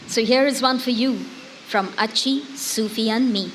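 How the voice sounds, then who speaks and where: Woman reading as a high-voiced, longing letter-writing wife. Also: moderate pace, natural voice, rough recording. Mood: tender, wistful. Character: devoted, longing wife writing letters to her imprisoned husband. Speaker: dramatic reader. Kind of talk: dramatic reading of letters on stage. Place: outdoor garden festival stage. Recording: live outdoor festival, faint background noise.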